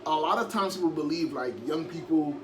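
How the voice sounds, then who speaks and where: An energetic man hosting a casual interview, chatty and upbeat, often saying "like" and "yo". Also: fairly high pitch, brisk. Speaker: motivational speaker and interviewer. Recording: distant mic with noise and hum.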